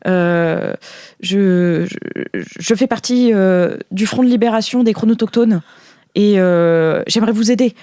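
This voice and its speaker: A woman's voice: mid-range voice, a little slow, warm tone, no echo, clean studio sound, lightly acted. A woman voicing a hesitant, polite and helpful man from a clandestine resistance group in an improvised science-fiction game, stammering as he speaks. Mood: earnest, hesitant.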